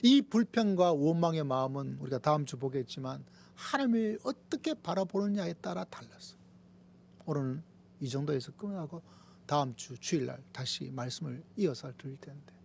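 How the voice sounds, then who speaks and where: A man preaching a sermon as pastor in a church, emphatic, repeating lists and swinging from raised lines to hushed whispers. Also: a little high, lively intonation, normal speed, creaky, slight background noise. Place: church sanctuary.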